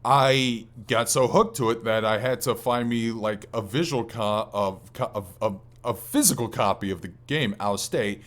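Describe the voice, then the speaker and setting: A man's voice: mid-range voice, moderate pace, hardly any pauses, a bit bright. A man hosting a gaming podcast, talking in an informal, rambling way with casual swearing. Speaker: podcast host.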